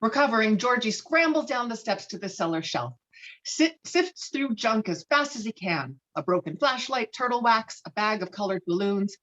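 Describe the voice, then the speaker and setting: A woman's voice: a little high, animated, moderate pace, fairly bright tone. A woman reading screenplay stage directions as dramatic scripted narration. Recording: slightly dull, lo-fi microphone.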